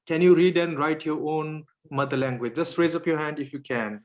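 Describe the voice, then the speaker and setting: A man's voice: on the high side, normal speed. A man whose first language is Nepali, moderating an online panel over a video call, hesitant, with many fillers and restarts.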